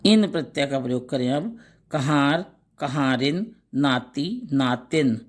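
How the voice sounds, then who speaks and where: A man teaching a grammar lesson, slowly reciting pairs of words one by one and adding short explanations. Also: medium pitch, lively intonation. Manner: slow, deliberate recitation of word lists with brief explanations.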